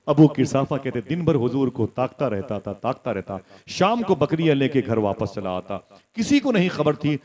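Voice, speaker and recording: A male preacher delivers a devotional sermon as an emotional story. He repeats his phrases for emphasis and moves into chanted verse. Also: fairly high pitch.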